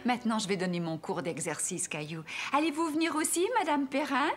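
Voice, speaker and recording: A woman's voice: fairly high pitch, brisk, over music, close to an everyday voice. A woman voicing a kindly, cheerful grandmother in a French-dubbed children's cartoon. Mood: cheerful, encouraging. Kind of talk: children's cartoon dub acting.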